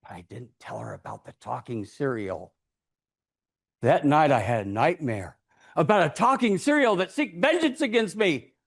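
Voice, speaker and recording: A man giving a theatrical storytelling speech in a dramatic, deliberate manner, acting out the characters as he goes. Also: fairly high pitch, very animated, breathy edge. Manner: dramatic, deliberate delivery with acted-out voices. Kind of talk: theatrical tall-tale speech.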